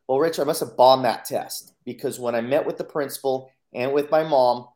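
Male podcast guest, middle pitch, earnest personal storytelling with acted-out inner thoughts. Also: darkish tone. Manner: earnest, acts out his own inner voice in quotes.

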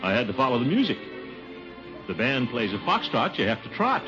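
An actor playing a pompous, blustering middle-aged water commissioner in a 1950s radio sitcom, boastful and chuckling. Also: male voice, medium pitch, sing-song, fairly quick, over music, close to an everyday voice. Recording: dull old radio broadcast recording.

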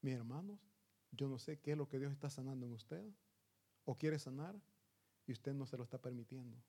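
A man's voice: medium pitch, normal speed, warm tone. A man preaching a sermon in an earnest, emphatic manner, speaking to the congregation as his brothers.

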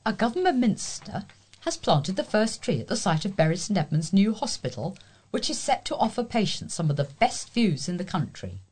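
A woman's voice: mid-range voice, sing-song, brisk, darkish tone, slightly rough. A woman with a British accent reading local news aloud as a volunteer newsreader.

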